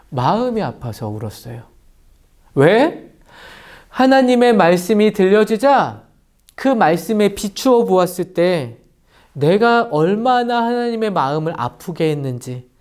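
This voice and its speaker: A man, a children's pastor, preaching a children's sermon in an animated storytelling manner, acting out the voices he quotes, on a lapel mic. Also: high-pitched. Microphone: lavalier mic.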